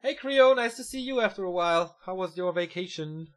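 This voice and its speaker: A man casting a live esports match: fast, excitable play-by-play that climbs at big moments, and relaxed chat with viewers between games. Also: sits high. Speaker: esports caster. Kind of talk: live video game match commentary.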